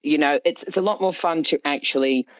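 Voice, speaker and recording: A man's voice: a little high, a little fast, a bit bright. A man being interviewed as a writer, chatting casually and thinking aloud with frequent asides, on a slightly lo-fi recording. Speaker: guest author being interviewed. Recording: dull, lo-fi voice recording.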